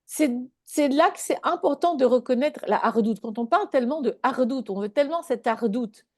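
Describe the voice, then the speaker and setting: A woman's voice: high voice, lively intonation, moderate pace, a little mellow, dry recording, studio quality. A woman giving a live spiritual talk to a small online group, speaking conversationally and checking in with her listeners.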